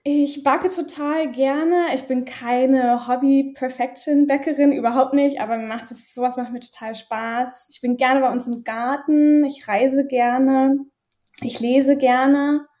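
A woman's voice: high-pitched, fairly even intonation, measured pace, dark tone. A woman in her thirties from Berlin, raised bilingual in German and French, telling her story candidly as an interview guest, hesitant and full of fillers. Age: 30s. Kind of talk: personal interview.

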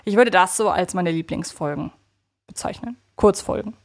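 A woman's voice: fairly low pitch, normal speed, gravelly. A woman with a German accent co-hosting a fan podcast, talking conversationally in a reflective, wordy way and correcting herself as she goes. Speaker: podcast co-host.

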